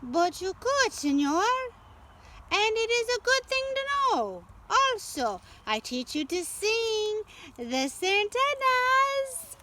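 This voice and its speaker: Woman reading as an eager young Hispanic sailor, high voice. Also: big pitch swings, background noise, full character voice. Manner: halting foreign-phrased speech with Spanish words. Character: slim young Hispanic sailor man, soft-spoken, eager, purring.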